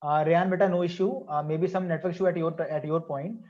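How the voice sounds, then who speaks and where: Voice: medium pitch, fairly even intonation, brisk, darkish tone, highs cut off. A teacher with a South Asian accent leading an interactive online maths class, repeating phrases and questions to prompt pupils.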